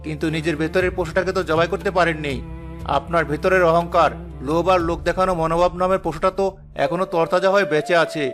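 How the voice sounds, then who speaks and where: A man acts out an earnest young villager in a cartoon, talking fast in a high voice. He pleads and reproaches. Soft music plays under him. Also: fairly even intonation, close to an everyday voice. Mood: reproachful. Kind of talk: cartoon voice acting.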